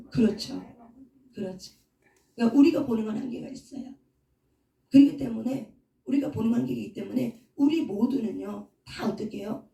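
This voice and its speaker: A woman's voice: fairly high pitch, gravelly, warm tone, distant mic. A woman pastor giving a sermon, asking the audience questions and answering them herself. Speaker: pastor and counselor. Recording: echoey hall, voice from off mic.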